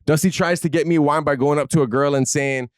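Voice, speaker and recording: Man, Toronto slang accent, casual storyteller, lightly raised pitch, repeated punchy phrases, very dry sound. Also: fairly even intonation, brisk, no echo. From Toronto, Canada. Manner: Toronto street slang, repetitive punchy narration.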